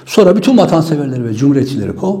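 A man's voice: fairly high pitch, very animated, racing, mellow. A man giving an impassioned political monologue, fiery and scornful, firing off rhetorical questions and sounding weary. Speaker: political commentator.

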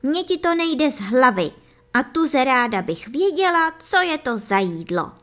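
A woman's voice: sits high, big pitch swings, a bit bright, voice pushed up. A woman reading aloud voices a curious poor wife who coaxes her husband in a storybook tale. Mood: pleading. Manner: coaxing and pleading.

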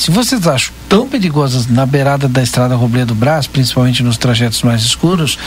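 A man hosting a relaxed radio talk show, reading listener messages in an easygoing way. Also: a little high, slight background noise. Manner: easygoing, quick agreeing interjections.

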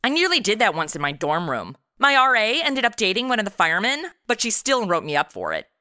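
A woman's voice: mid-range voice, huge pitch swings, fairly quick, bright, forceful tone, smooth, dry recording, studio quality. A woman acting as a sassy, flippant American twenty-something in a comedic audio drama, with sarcastic, slangy delivery. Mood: breezy, curious. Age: young adult. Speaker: lead actor and narrator.

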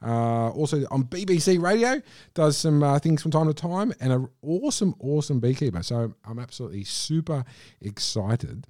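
A man's voice: on the high side, sing-song, moderate pace, warm tone, no echo, clean studio sound. A man hosting a podcast, effusive and piling on superlatives as he introduces and questions his guest. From Australia. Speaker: podcast host. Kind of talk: enthusiastic podcast interview. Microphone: remote call.

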